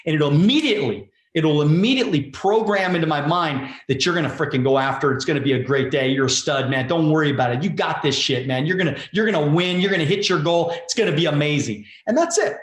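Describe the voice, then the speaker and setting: A man's voice: on the high side, fast, hardly any pauses. A man in his forties, a guest wealth coach, talking in an emphatic, casual way, repeating words and swearing freely. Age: 40s. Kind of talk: motivational conversation. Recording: roomy echo.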